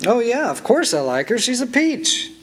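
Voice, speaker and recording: An actor playing an awkward, stubborn young small-town man in love, stammering and halting in a staged radio drama reading. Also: extremely high pitch, sing-song, fairly bright tone, heavily acted. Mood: awkward, defensive. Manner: stammering, halting, repeating words. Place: stage, live broadcast reading. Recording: noisy live stage microphone recording.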